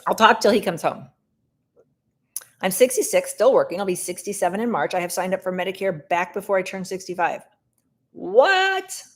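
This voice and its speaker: A middle-aged woman hosting a casual live Q&A, answering viewer questions in a brisk, direct way. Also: fairly low pitch.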